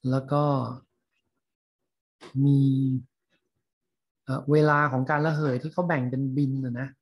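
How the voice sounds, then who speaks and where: Slow, husky man lecturing. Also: medium pitch, steady tone, a little mellow. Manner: slow, halting, many fillers. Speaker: teacher. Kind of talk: lecture on reading scientific English.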